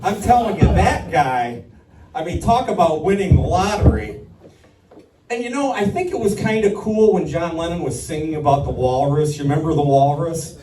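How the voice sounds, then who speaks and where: Performing live stand-up in an echoey room, a man rambles through sardonic complaints to an audience. His expressive voice is on the high side at a normal speed, picked up by a distant mic with background noise.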